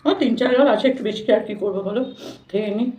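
Fast-talking woman, echoey room. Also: fairly high pitch, warm tone. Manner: chatty, informal, addresses viewers directly. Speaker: vlogger. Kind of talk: casual chat to viewers while eating. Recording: echoey room, dull lo-fi sound.

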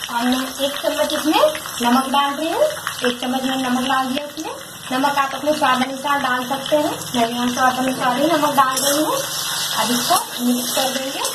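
A home cook with a high voice demonstrates a recipe step by step at her stove, speaking patiently at a moderate pace and repeating each instruction for viewers. Her kitchen sounds echoey, and the camera mic above the pot picks up a loud, steady hiss.

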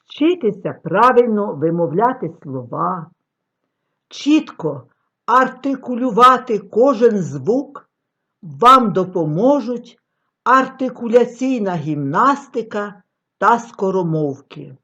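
Slow, lively-voiced woman teaching declamation. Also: medium pitch. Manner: expressive declamatory delivery with long pauses. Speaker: reading teacher. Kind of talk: scripted lecture on artistic reading. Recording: dull lo-fi recording.

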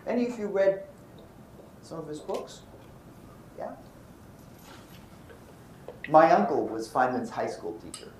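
An older man from Brooklyn giving a university physics lecture, animated and often checking in with his students. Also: a little high, takes it slowly, long pauses. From Brooklyn, New York. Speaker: physics professor. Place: lecture hall. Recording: roomy lecture hall, faint noise.

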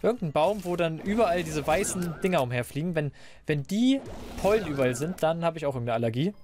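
Chatty, slightly hoarse young man gaming. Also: fairly high pitch, expressive, fast talker, a little mellow, soft background music. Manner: chatty, rambling, self-mocking. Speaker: let's player. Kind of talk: casual gameplay commentary. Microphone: desk microphone.

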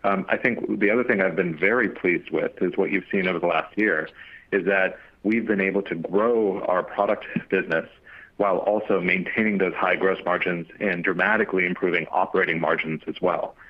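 A man answering as a company executive on an earnings call, measured and business-like. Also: low-pitched, fairly even intonation, breathy edge. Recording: dull lo-fi conference call audio.

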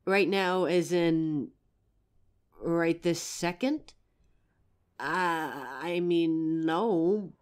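A woman's voice: on the low side, steady tone, extremely slow, pauses often. A young woman voicing an anxious, protective female werewolf who stammers and sighs as she talks to her partner. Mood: worried. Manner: hesitant, stammering, sighing often. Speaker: voice actor in audio roleplay. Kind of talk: audio roleplay for a listener.

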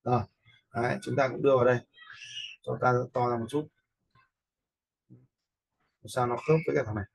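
A man giving an informal step-by-step software tutorial as an instructor, often checking that viewers follow. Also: medium pitch, fairly even intonation, fairly quick, creaky, long pauses, husky, rough recording. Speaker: video editing instructor.

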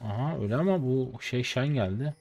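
Commenting on his own gameplay, this man from Turkey, in his late twenties, talks fairly quickly at a medium pitch. He's slangy and casual, easily excited, and shouts whenever the game shifts.

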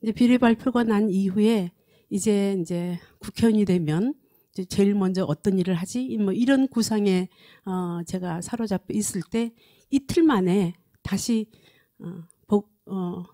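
A woman in her sixties speaks at a mid pitch with a warm, relaxed tone. She shares a personal testimony earnestly and haltingly, often repeating a phrase before moving on. She holds the microphone close. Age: 60s. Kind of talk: personal testimony at a prayer meeting. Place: indoor studio set, standing at a lectern. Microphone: handheld microphone close to mouth.

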